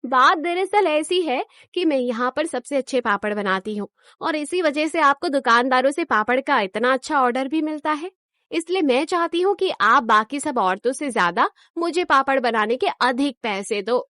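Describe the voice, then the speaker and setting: A woman's voice: high voice, lively intonation, normal speed, fairly bright tone, no room sound, clean studio sound. A woman voicing a proud, greedy village woman in a cartoon story, who talks in a boastful, indignant way. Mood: demanding.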